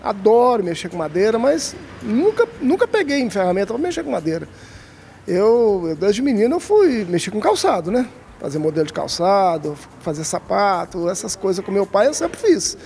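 Hesitant man with a gravelly voice. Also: high-pitched, sing-song, normal speed, a little mellow, slight background noise. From Brazil, Minas Gerais. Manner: hesitant, many fillers and restarts. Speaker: woodcarving artisan, guest. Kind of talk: casual interview answers. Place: craft shop, indoors. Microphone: handheld mic held by interviewer.

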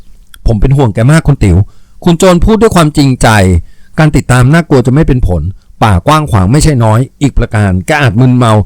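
A man reading aloud, voicing a lovelorn young male bandit chief in a low, earnest, tender tone. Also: animated, brisk, darkish tone, dry recording, natural voice.

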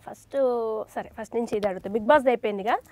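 A woman's voice: a little high, rapid-fire, dry recording. A woman interviewer who is playful and calls out names for impressions. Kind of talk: casual interview.

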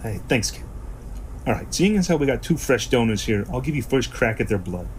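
Sci-fi audio drama: sly, swearing, sarcastic black-market shopkeeper male actor, mid-pitched, clear background noise. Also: sing-song, brisk, darkish tone, close to an everyday voice, poor audio. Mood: businesslike. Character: foul-mouthed, sly black-market shop boss, grimly pragmatic. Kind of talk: science-fiction audio drama acting.

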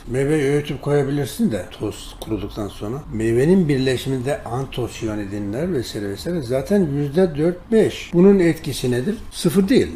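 An older man with a warm, mellow voice holds forth in a promotional monologue about his own herbal products. He talks emphatically, reels off long lists of ingredients and slips into anecdotes, at a middle pitch. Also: slight background noise.

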